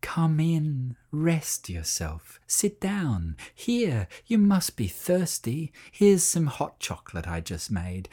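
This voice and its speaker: A storyteller voicing a kind, wise mother who speaks softly and generously in a children's story. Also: medium pitch, slightly rough, full character voice. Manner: gentle, soft-spoken.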